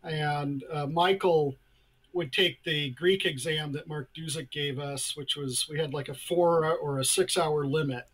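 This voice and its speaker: A man being interviewed as a scholar, answering in a measured, thoughtful way with frequent hesitations. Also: a little high, steady tone, fairly bright tone. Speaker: guest scholar.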